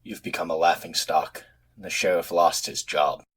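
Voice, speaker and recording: A man performs a shadowy stranger in a trench coat for an audio drama. The voice is deep, husky and very flat, measured and secretive, as if sharing a conspiracy. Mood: ominous, persuasive.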